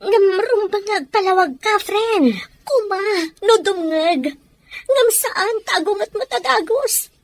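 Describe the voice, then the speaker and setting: A woman playing an emotional young woman in love in a serial drama, with drawn-out, expressive delivery. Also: extremely high pitch, dry recording, exaggerated voice. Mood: hurt, pleading. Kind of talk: Ilocano serial drama acting.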